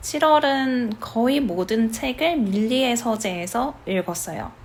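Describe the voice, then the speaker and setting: The voice moves very slowly with lively intonation. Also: woman. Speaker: book youtuber. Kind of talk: casual book review chat.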